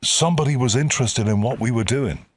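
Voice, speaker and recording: A man's voice: medium pitch, fast, slightly rough. A man hosting a casual interview, eager and repeating words as he talks. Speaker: interview host.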